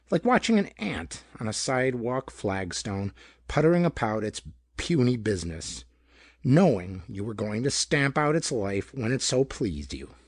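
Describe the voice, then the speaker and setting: A man reading a pulp detective story aloud as scripted narration, with a slightly rough voice and dramatic, expressive delivery. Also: lowish voice, dry recording, studio quality. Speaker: audiobook narrator.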